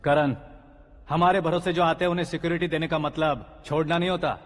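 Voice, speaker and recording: An actor playing a fearless, righteous film hero, declaiming protective threats in dramatic dialogue over music. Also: male voice, fairly high pitch, fairly even intonation, fairly quick, close to an everyday voice. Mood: stern, righteous. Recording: loud film score under dialogue.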